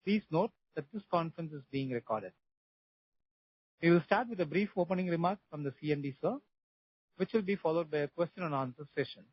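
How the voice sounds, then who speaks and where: A man's voice: fairly high pitch, animated, a little fast, slightly rough. Polite male call moderator, muffled line. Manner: polite, formal. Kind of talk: scripted call announcement. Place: conference call. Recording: dull lo-fi conference line.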